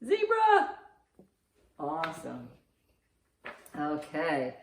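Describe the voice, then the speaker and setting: A very slow woman's voice sits low yet swings hugely in pitch, with a little hiss or hum in the audio. She hosts storytime, reading and posing riddles to young children with encouraging, exaggerated reactions, in an echoing room.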